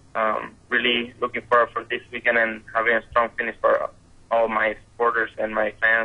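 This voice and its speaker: A man speaks with a Puerto Rican accent. His pace is moderate. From Puerto Rico. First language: Spanish. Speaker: racing driver. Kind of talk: interview. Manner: halting.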